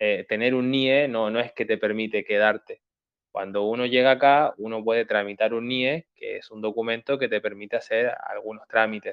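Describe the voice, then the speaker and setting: Fairly even intonation and a medium pitch shape this man's delivery, an unremarkable speaking voice moving at a moderate pace. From Chile. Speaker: caller, prospective migrant. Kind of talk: question in group call. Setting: online voice chat.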